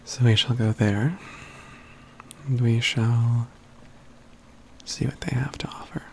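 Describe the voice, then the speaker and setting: A man playing a calm, courtly mage companion in a soft-spoken ASMR fantasy roleplay, with measured, halting phrases that often drop to a whisper. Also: medium pitch, a little hiss or hum, poor audio. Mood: calm, deliberate.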